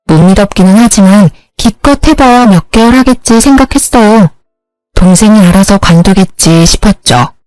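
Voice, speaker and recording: A woman's voice: mid-range voice, darkish tone, no echo, rough recording. A woman telling a first-person family story in a plain, confiding way.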